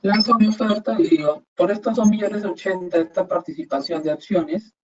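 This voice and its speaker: This accounting instructor's voice sits high and a little mellow, and he moves fairly quickly through his online lesson step by step, tossing out rhetorical questions. Faint hiss comes through a dull, far-off microphone.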